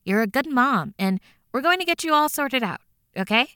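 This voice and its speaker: A cheerful housing caseworker speaks in a bright, crisp voice with lively pitch. She reassures the caller and stays businesslike. The sound is dry and close. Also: moderate pace, no echo. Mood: reassuring. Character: upbeat adult woman housing caseworker. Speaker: housing phone agent.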